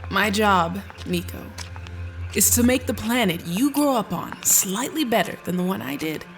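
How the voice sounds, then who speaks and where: An actress playing a calm, compassionate politician and devoted mother in an audio drama, speaking in a measured, persuasive way. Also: mid-range voice, faint music behind, lightly acted. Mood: motherly, affectionate. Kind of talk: audio fiction drama acting.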